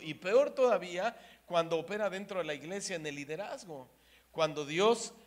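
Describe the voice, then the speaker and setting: A man from Mexico preaching a sermon, swinging between loud emphasis and hushed asides and acting out the voices in his stories. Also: sits high.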